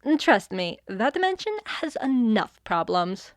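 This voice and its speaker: A woman's voice: a little high, big pitch swings, a little slow, very noisy. A woman playing a breezy, sardonic fairy in an audio comedy drama. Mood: exasperated. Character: cocky sarcastic female fairy wielding chaos magic. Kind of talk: audio fiction comedy acting.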